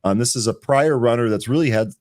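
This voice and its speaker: A man co-hosting a live trading show, calling out tickers and chart levels in brisk, quick succession. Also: mid-range voice, a little mellow, dry recording, clean studio sound. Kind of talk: live market commentary.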